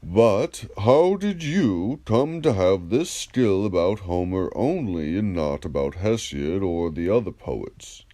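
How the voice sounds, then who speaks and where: Man playing courteous probing philosopher, measured, methodical, low pitch, unhurried delivery, audiobook reading. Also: expressive, dark tone, exaggerated voice. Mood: methodical reasoning. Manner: measured, polite, methodical questioning. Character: wise, courteous Greek philosopher, patiently probing.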